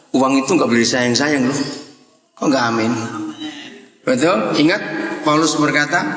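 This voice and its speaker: A male pastor preaching a sermon in a lively, joking manner, telling stories and acting out dialogue. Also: on the high side. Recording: echoey hall with long reverb.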